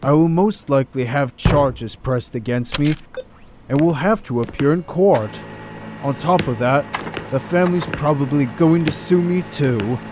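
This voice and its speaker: A man's voice: a little high, a little slow, close to an everyday voice. A man acting a troubled, wrongly accused doctor in an audio drama, hesitant and earnest. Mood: troubled, subdued. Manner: hesitant, stammering, protesting. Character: distraught, indignant male doctor, wrongly accused. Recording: faint background noise.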